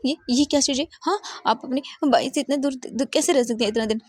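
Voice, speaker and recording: Woman voicing a teasing younger brother, complaining, quick storybook reading. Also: sits high, a little mellow, dry recording. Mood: teasing sulk.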